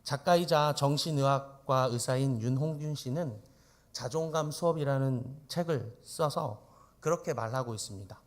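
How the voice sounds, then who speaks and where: A man's voice: medium pitch, normal speed. A male pastor preaching an emphatic sermon in church, often turning to the congregation with rhetorical questions.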